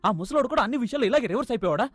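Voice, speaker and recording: A young son in a Telugu film, fed up with how his parents block his plans. He complains in a rush of words, very fast, with a Telugu accent. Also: very high-pitched, expressive, a bit bright, dry recording, faint music behind, heavily acted. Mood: complaining. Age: young adult. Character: young son, eager and frustrated.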